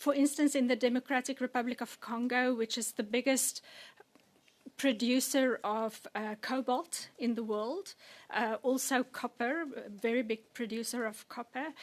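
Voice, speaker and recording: A woman's high-pitched voice in a South African accent, at a moderate pace, over a quiet background. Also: fairly even intonation. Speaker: expert witness. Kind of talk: committee testimony.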